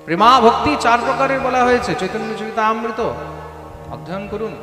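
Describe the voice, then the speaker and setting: A man's voice: very high-pitched, moderate pace, bright, forceful tone. A male preacher giving a devotional sermon, asking rhetorical questions and answering them himself with scolding emphasis. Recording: echoey hall with music behind.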